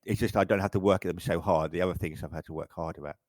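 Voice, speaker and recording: A middle-aged English man with a very low voice, chatting casually as an interview guest. He rambles and often restarts his sentences. The sound is close and dry. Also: fairly even intonation, racing, darkish tone, no room sound. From England. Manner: rambling, self-correcting, frequent stammered restarts. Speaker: photographer guest.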